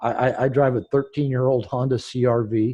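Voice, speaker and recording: A man's dark, mellow tone at medium pitch, flat and monotone, at a moderate pace against a quiet background. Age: 60s. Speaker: dating coach and author. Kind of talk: interview. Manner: halting, many false starts.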